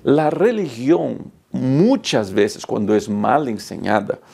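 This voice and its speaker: A man's voice: medium pitch, takes it slowly, creaky, dark tone, breathy edge. A man in his thirties preaching a sermon as pastor, with impassioned emphasis that rises and falls.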